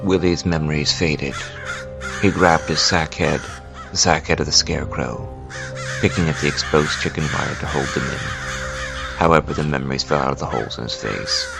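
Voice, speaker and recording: A man's voice: extremely low pitch, moderate pace, gravelly. A man performing a grim horror storyteller in a dramatic audiobook style for an ad. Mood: grim, eerie. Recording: loud music under the voice.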